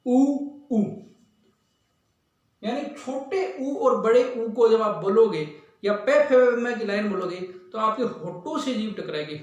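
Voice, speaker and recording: A man teaching an exam-prep lesson, slowly drilling speech sounds one by one. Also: high-pitched, lo-fi sound. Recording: echoey room, far from mic.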